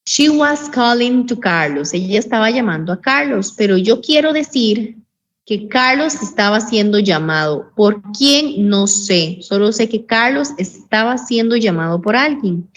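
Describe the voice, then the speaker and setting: A woman teaching an English grammar lesson in an online class, patiently repeating examples and saying English phrases slowly and carefully. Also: medium pitch, expressive. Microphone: computer mic on a video call. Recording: dull lo-fi call audio, faint noise.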